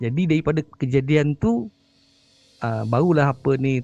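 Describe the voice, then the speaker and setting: Music plays in the background as a man speaks at a medium pitch. The sound is dry and close, with no echo. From Negeri Sembilan, Malaysia. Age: 40s. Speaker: guest storyteller of horror stories. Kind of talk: storytelling.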